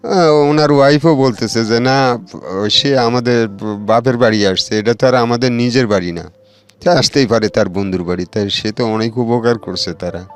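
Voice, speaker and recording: A man's voice: mid-range voice, normal speed, smooth, soft background music. A middle-aged man with a colloquial Bangladeshi accent, telling his own life story in a casual, meandering way and acting out what others said. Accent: Bangladeshi colloquial Bengali. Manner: rambling storyteller with fillers and restarts, quoting others. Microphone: radio studio or phone-in line.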